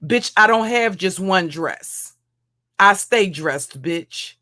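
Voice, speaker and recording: A woman with a heavy, deep voice, ranting as a livestream commentator in a mocking, profane way, often repeating and restarting her phrases. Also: animated, slow, pushed and bright. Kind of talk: profane roast rant.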